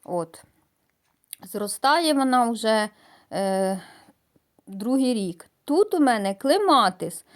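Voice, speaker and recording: A middle-aged woman from southern Ukraine talks in a chatty, homely way, stopping often for fillers and small hesitations. Her voice sits a little high for a woman. She sounds relaxed and conversational, like a casual vlog. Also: slow, long pauses. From Mykolaiv region, Ukraine. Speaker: gardening vlogger. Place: outdoors in a village garden. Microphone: voice-over added after filming.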